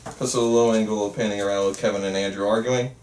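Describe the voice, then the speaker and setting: A man's voice: on the low side, steady tone, fast talker, darkish tone. A man reading screenplay stage directions aloud at a table read, recorded at a distance in a roomy, slightly noisy space. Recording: roomy, faint noise, distant mic.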